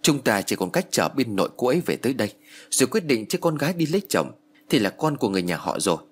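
A man's voice: medium pitch, very animated, fast, husky. A man playing a grieving older brother in a spoken horror story, grave and urgent, his voice choked. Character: older man, grief-stricken eldest brother.

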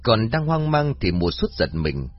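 A man with a low, husky voice narrates a horror story dramatically, his pitch swinging widely. The recording is dull and lo-fi, with faint music underneath. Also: unhurried, no echo. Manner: dramatic, expressive.

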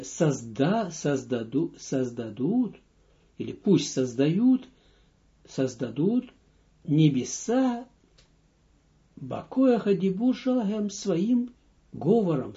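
Slow, deliberate man teaching, lo-fi audio. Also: fairly high pitch, mellow. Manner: slow, deliberate, dictating with pauses; reads phrases aloud, then translates and repeats them. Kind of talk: line-by-line text lesson. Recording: dull lo-fi audio recording.

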